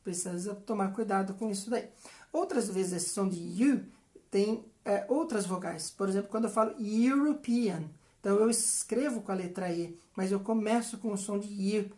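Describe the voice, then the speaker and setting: A woman with a Brazilian Portuguese accent, an English teacher explaining grammar patiently and repeating example sentences slowly. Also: medium pitch, mellow. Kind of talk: explanatory language lesson.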